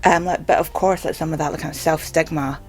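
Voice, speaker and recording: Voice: mid-range voice, fairly even intonation, fast. A vlogger with a stammer rambling casually and hesitantly, often saying "like". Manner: hesitant, stammering, filler-heavy with frequent "like". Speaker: video blogger. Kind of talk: casual rambling talk to camera.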